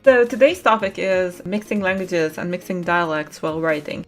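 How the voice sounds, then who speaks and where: A woman hosting a podcast roundtable, moderating the discussion with some hesitant, pausing phrasing. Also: fairly low pitch, steady tone, soft background music. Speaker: podcast host.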